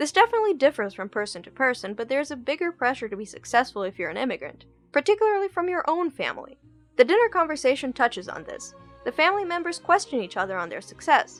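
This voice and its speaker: A woman speaks in a raised, projected voice at a very fast pace, high in pitch with very wide pitch swings. Music plays in the background. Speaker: film reviewer. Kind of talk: video essay film review.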